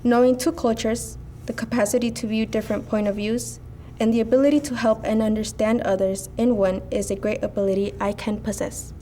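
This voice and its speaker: A woman's voice: a little high, steady tone, brisk, mellow, slight background noise. A teenage girl, a native Spanish speaker, earnestly reading a prepared speech as a student speaker. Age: teens.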